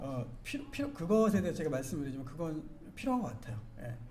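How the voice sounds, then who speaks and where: Audible room echo hangs around this man's voice. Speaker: pastor. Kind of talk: sermon follow-up Q&A answer.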